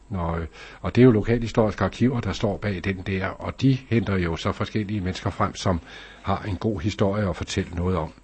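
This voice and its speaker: Husky-voiced local radio host. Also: male voice, on the low side, darkish tone. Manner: rambling with many fillers. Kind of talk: casual radio chat. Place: radio studio.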